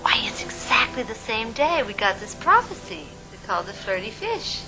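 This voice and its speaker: A woman's voice: a little high, big pitch swings, rough recording. Hesitant woman in an archive clip. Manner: hesitant, with pauses and ums. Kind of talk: archival documentary interview. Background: music.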